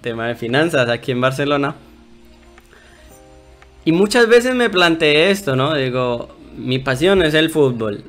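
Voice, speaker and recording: Male host, higher voice, chatty, long winding questions, faint music underneath. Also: lively intonation, moderate pace, fairly bright tone. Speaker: interview host. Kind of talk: casual interview.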